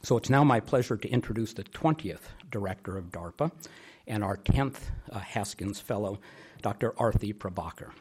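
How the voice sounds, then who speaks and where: Husky low-voiced man at a podium. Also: animated, normal speed, darkish tone. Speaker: host introducing a lecturer. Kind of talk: podium speech, formal introduction.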